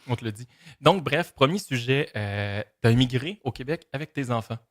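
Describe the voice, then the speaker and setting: Host: a Québécois man, casual and teasing, everyday mid pitch. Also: lively intonation, normal speed, a bit bright. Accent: Québécois French. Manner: joking, teasing interviewer. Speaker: podcast host. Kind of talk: casual chat.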